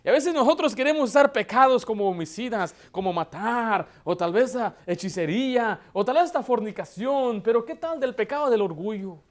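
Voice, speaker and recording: A man, a pastor, preaching a sermon with emphatic rhetorical questions that build to loud, impassioned emphasis. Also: very high-pitched, animated, moderate pace, hardly any pauses.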